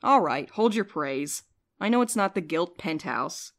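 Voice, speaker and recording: A woman's voice: fairly low pitch, animated, measured pace, a little hiss or hum. A woman playing a jaded, sleep-deprived young courier with a dry, sarcastic way of talking in a fiction podcast. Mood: wry, weary. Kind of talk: audio fiction podcast acting.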